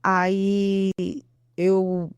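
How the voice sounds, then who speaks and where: Uma mulher com sotaque brasileiro dá um testemunho de fé emocionado numa entrevista, repetindo frases e encenando falas. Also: female voice, medium pitch, completely flat delivery, drawn-out words, clean tone, no room sound. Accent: Brazilian Portuguese. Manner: earnest, repeats herself, acts out quotes. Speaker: interview guest. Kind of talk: emotional testimony.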